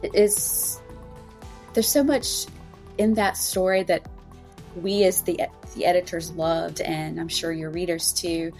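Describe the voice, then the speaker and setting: A woman's voice: lowish voice, steady tone, slow, a little mellow, soft background music. A woman hosting a podcast interview, talking casually and effusively. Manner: effusive, gushing. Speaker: podcast host and anthology editor.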